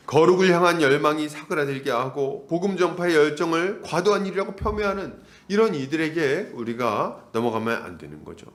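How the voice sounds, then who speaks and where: A male pastor delivers a sermon in a high, animated voice whose pitch swings widely. He keeps asking the congregation rhetorical questions and slips into the voices of the people he describes. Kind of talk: expository sermon.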